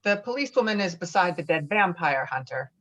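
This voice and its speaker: Over dull online audio, a woman narrates a screenplay's stage directions. Her voice is on the low side, reading out scripted action. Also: animated, fairly quick, a bit bright.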